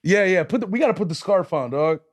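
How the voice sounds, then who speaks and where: With a high, animated voice in a dry recording, this American guest musician talks passionately on a laid-back podcast. He hammers his main points with drawn-out emphasis and throws in "dog" and "man."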